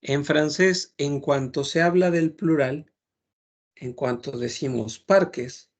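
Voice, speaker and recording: A man teaching a French lesson, explaining patiently and repeating words slowly to model pronunciation. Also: a little high.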